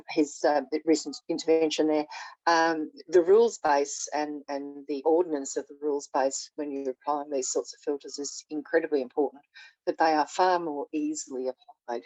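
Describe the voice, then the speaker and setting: A woman's voice: sits low, steady tone, moderate pace, a little mellow, no room sound, rough recording. A woman speaking at an online forum over a video call, losing her voice, offering rambling, hedged remarks with many fillers. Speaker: forum participant. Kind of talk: meeting remarks.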